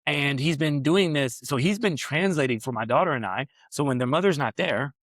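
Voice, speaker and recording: On a massage table in New York City, a podcast host in his forties spins a long, wandering personal story in a relaxed interview chat, peppering it with "right?" tag questions. His voice is fairly high and a bit bright, and he talks fairly quickly. It's studio quality with no room sound.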